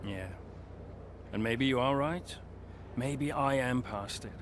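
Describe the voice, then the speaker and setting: A man's voice: medium pitch, takes it slowly, slight background noise, natural voice. A weary, proud veteran racing driver acted by a man. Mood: weary, firm. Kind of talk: cinematic video game acting.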